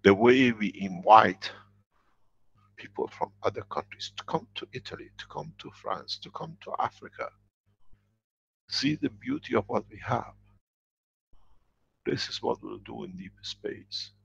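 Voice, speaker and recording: Deep gravelly man lecturing. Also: unhurried, pauses often, a bit bright, dry recording. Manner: emphatic, repeats key phrases. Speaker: workshop lecturer. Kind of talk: spoken workshop lecture. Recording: dull lo-fi recording.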